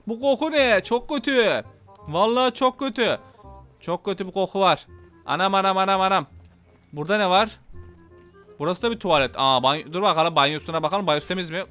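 A man with a Turkish accent giving excitable, casual gameplay commentary, talking to his viewers and swearing playfully. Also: high-pitched, a little fast, faint music behind. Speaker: gameplay YouTuber.

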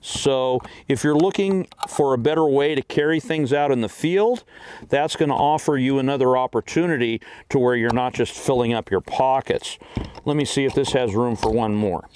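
A man's voice: medium pitch, normal speed, a little mellow, a little hiss or hum. Man demonstrating step by step. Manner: plain step-by-step explaining. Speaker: host. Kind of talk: instructional firearms demonstration.

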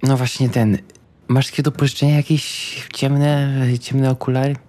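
A man's voice: medium pitch, little pitch movement, normal speed, a little mellow, natural voice. A man playing a subdued, troubled, apologetic male vampire in an improvised tabletop roleplay.

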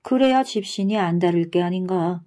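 A woman's voice: lowish voice, normal speed, warm tone, close to an everyday voice. A woman voicing a scoffing, stingy male miser from a folktale who tries to outdo his rivals.

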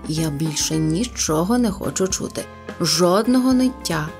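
A woman's voice: fairly low pitch, lively intonation, over music. A woman voicing a strict, dignified mother cat duchess in an audio storybook. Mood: stern. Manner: stern, measured, reproving. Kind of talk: storybook character voice.

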